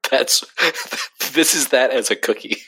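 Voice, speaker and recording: Speaking slowly at medium pitch, this young adult co-host has a pushed, bright voice with a breathy edge. His podcast banter is loose and chatty, full of "like" fillers and easy laughter.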